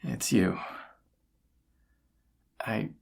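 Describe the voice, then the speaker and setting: A young man playing a flustered, lovestruck incubus in an intimate romantic audio roleplay, speaking haltingly in a breathy, husky voice. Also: darkish tone. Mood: nervous, confessing. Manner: halting, hesitant delivery with stammers.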